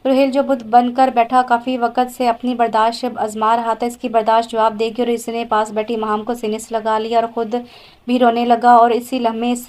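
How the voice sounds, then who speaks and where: A woman's voice: a little high, a little mellow. Woman narrating a romance novel. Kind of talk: audio novel reading.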